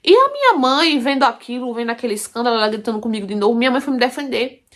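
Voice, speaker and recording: A woman's voice: on the high side, animated, very fast, a bit bright. Emphatic woman storyteller. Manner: emphatic, repetitive, addresses listeners as "gente". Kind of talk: first-person story narration.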